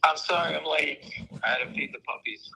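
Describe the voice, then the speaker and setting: A man with a voice hoarse from weeks of coughing, chatting in a rambling way as a guest on a live stream. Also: on the high side, fairly quick, sharp tone, slight background noise, low-quality recording. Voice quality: gravelly, raspy. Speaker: guest on a stock market stream. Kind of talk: casual chat.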